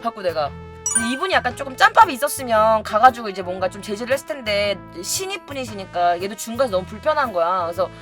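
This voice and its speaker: A woman's voice: on the high side, big pitch swings, fast talker, music in the background. A woman casually telling a funny story to her viewers, acting out other people's lines and laughing often. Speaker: YouTube storyteller.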